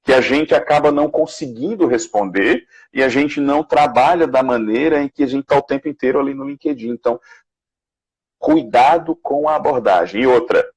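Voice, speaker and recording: A man with a Brazilian Portuguese accent, a guest sales manager on a live video call, giving animated career advice and acting out sample messages. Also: brisk, breathy edge, poor audio. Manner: animated, acts out sample messages with rising pitch. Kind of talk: live online career chat.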